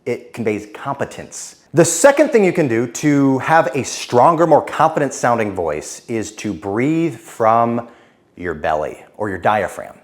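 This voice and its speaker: A man teaching to camera as a speaking coach, blunt and direct, letting his pitch fall at the end of sentences. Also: very animated, unhurried. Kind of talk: instructional talk to camera.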